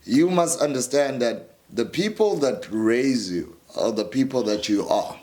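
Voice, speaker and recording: A man with a South African accent, a radio host and producer, telling stories in a casual interview at his house, laid-back and animated. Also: mid-range voice, measured pace. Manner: animated storyteller, acts out quotes, laid-back.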